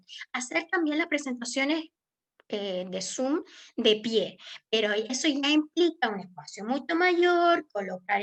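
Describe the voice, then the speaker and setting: A woman's lively intonation carries through her fairly slow delivery. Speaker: workshop presenter. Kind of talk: lecture.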